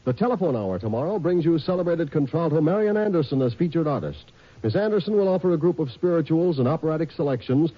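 A man reading scripted promos as a 1950s radio network announcer. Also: a little high. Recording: muffled 1950s radio recording.

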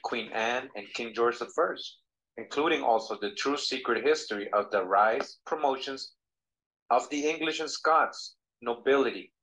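A man reading passages aloud from a book in a measured way, played back in a video. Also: mid-range voice, sharp tone, poor audio.

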